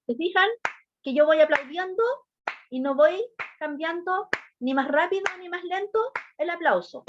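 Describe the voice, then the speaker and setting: A woman's voice: very high voice, normal speed, lo-fi sound, background noise. A woman music teacher giving a lesson, explaining step by step and often checking that her students follow. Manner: patient step-by-step explaining, often checking understanding with short questions. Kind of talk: online class lesson.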